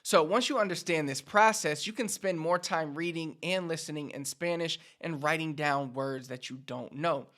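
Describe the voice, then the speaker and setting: A man's voice: on the high side, normal speed, hardly any pauses, fairly bright tone. A Puerto Rican man with a Puerto Rican accent teaching Spanish to viewers in an upbeat, instructive way. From Puerto Rico. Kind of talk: direct-to-camera language lesson.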